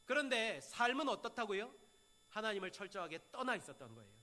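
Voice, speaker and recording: Bright, lively-pitched Korean man preaching. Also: brisk. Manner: emphatic preaching, repeats key phrases for emphasis. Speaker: pastor. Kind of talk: sermon.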